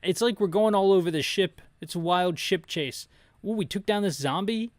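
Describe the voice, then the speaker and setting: Male game streamer, slightly high register, dry close sound; rambling, opinionated, joking descriptive playthrough narration. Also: normal speed, no echo. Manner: casual, jokey, opinionated. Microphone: close mic, bumped now and then.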